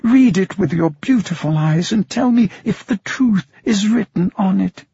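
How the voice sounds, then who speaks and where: A man's voice: animated, vocal fry, warm tone, slightly rough, dry recording, full character voice. A man voicing a young blind girl who pleads earnestly through tears. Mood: pleading. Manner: trembling, pleading, high and slow. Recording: muffled, dry, lo-fi.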